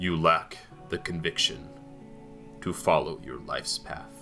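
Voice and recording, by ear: A man performs a put-on character voice at an extremely low pitch with a bright, sharp tone. He speaks fairly slowly with ordinary pitch variation as faint music plays in the background.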